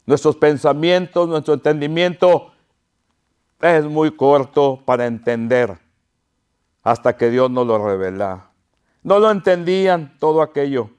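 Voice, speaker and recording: A man's voice: on the high side, a little slow, darkish tone, clean tone. A pastor preaching an impassioned sermon to his congregation, crying out pleas and calling them his brothers.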